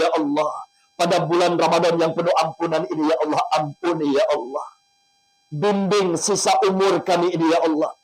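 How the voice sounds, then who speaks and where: A man's voice: high-pitched, rough recording. A male preacher delivering an emotional sermon, pleading fervently and guiding the congregation through a prayer with intimate, repeated appeals. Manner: fervent, pleading, repeats the refrain of calling on God; addresses listeners intimately, guiding them to picture their parents.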